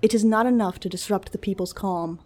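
A man voicing a soft-spoken young noblewoman. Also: high voice, fairly quick, voice pushed up. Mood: earnest. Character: young noblewoman, earnest and worried.

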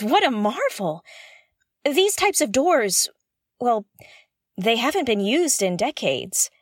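Curious young female space investigator, nervous, earnest, self-correcting, slow-paced, close dry recording, audio drama. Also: mid-range voice, no echo. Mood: marvelling, chatty. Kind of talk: audio drama, confessional log to listeners.

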